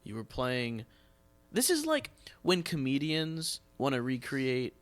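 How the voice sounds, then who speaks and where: Casting: American man, conversational podcast host, very animated intonation, emphatic delivery. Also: mid-range voice, takes it slowly. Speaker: podcast host, theatre director. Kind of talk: casual interview chat.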